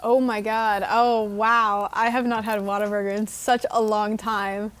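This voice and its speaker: A young woman speaks in an easygoing, conversational way as an interview guest. Her speech is loose and relaxed, sprinkled with filler words and small restarts. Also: mid-range voice, measured pace, clear, resonant tone. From Houston, Texas. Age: young adult. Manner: casual, lots of "like" fillers. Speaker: guest actor. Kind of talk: casual interview chat.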